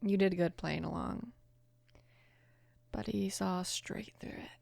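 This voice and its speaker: A woman of about twenty playing a mafia boss's protective, casual daughter in an intimate ASMR roleplay, speaking softly and unhurriedly, often slipping into a whisper. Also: dry recording, heavily acted. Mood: calm, confiding. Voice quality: soft, breathy whispering mixed with low murmur. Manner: hesitant, unhurried, casual with small pauses. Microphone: close microphone, dry.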